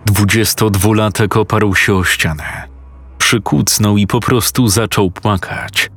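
A man narrating a scripted horror story in a steady, suspenseful way. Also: on the low side, unhurried, no echo. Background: faint music.

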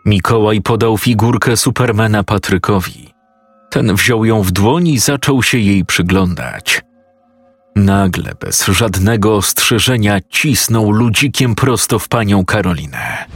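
A man narrating a horror story in a measured, storytelling manner. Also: lowish voice, breathy edge, no room sound, faint music behind.

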